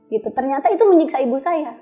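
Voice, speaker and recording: A woman's voice: sits high, animated, quick pace, highs cut off, faint music behind. A woman guest telling her life story in a thoughtful, searching way with small restarts. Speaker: interview guest. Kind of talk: reflective conversational storytelling.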